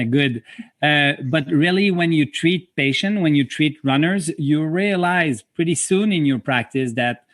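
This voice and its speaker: Halting French Canadian man. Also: fairly high pitch, a bit bright, no echo. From Quebec. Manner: halting, searching for English words. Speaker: physiotherapist guest. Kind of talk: podcast interview.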